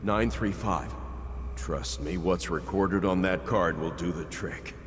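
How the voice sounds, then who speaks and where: An actor playing a frightened male servant who pleads in a hurried, anxious way in a game. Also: low voice. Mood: urgent. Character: frightened male servant begging for his life. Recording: long reverb with loud ambient noise.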